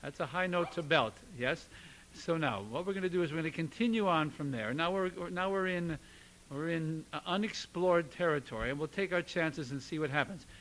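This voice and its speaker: Upbeat male voice coach, higher voice. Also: fairly quick, fairly bright tone, slight background noise, rough recording. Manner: upbeat, coaching, calls out cues. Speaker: voice teacher. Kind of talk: singing lesson with demonstrations.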